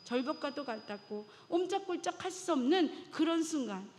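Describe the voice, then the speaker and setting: A woman delivers a sermon with a high voice, retelling a Bible story with dramatic flair. Her speech rings with the long reverb of a church sanctuary. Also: expressive, normal speed, darkish tone, slight background noise. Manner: dramatic, acts out biblical voices. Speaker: preacher.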